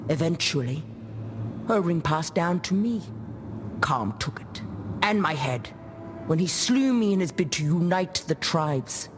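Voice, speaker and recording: An actress playing a proud, solemn dead female warrior chieftain in a video game, telling tribal lore in a measured, formal way. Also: low voice, expressive, over music. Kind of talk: video game character monologue, storytelling.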